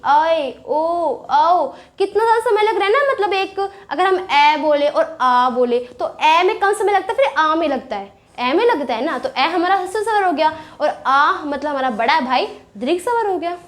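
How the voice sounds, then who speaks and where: A woman with an Indian accent teaching a casual grammar lesson, chatty, asking questions and answering them herself. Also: high voice.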